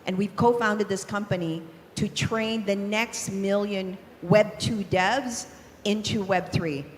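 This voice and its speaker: A woman's voice: medium pitch, steady tone, takes it slowly. Woman from the Philippines, enthusiastic panelist, reverberant hall, faint noise. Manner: enthusiastic, fluent. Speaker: panelist, company founder. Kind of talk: panel self-introduction. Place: large event hall on stage. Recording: long hall reverb, faint crowd ambience.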